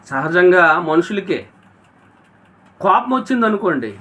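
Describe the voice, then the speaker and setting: High, bright-voiced man preaching. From India. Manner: rhetorical questions, addresses listeners directly. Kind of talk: sermon.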